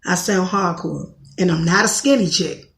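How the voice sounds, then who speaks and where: A woman in her thirties from Washington, D.C., with a raspy voice, talking bluntly in a rambling podcast monologue and often correcting herself. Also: lowish voice, normal speed, reverberant. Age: 30s. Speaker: podcast host. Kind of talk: casual monologue commentary.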